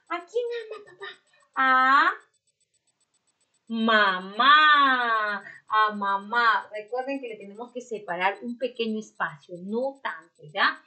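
A Peruvian woman teaching preschoolers a remote class, slowly sounding out syllables in a sing-song way. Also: a little high, sharp tone. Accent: Peruvian Spanish. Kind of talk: recorded remote class for young children.

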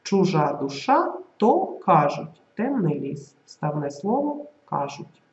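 A language teacher narrating a scripted video lesson, reading word lists slowly and clearly with marked intonation. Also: medium pitch, very animated. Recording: echoey room, dull lo-fi recording.

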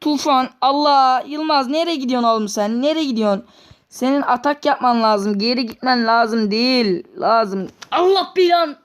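A woman's voice: on the high side, moderate pace, smooth. A woman reacting live as she plays a football video game, scolding and exasperated with the players. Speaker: gamer.

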